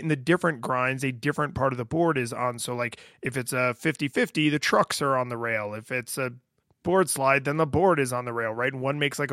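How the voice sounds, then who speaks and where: Deep-voiced man rambling casually. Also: fairly bright tone, no echo, studio quality. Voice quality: fairly deep voice. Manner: rambling, laughs often, many fillers. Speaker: podcast co-host. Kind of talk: casual chat about a video game.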